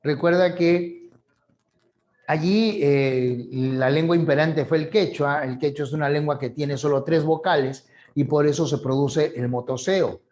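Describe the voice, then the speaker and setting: A man's voice: fairly high pitch, measured pace, darkish tone. Peruvian man teaching, chatty and explanatory. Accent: Peruvian coastal Spanish. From Peru. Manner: conversational, frequent "¿no?" tags, acts out examples. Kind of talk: explanatory video lesson.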